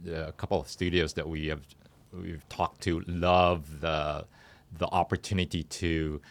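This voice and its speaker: A man speaking as a company founder and interview guest in a studio, explaining in a halting way as he pieces his thoughts together. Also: rumbling low, flat delivery. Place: podcast studio.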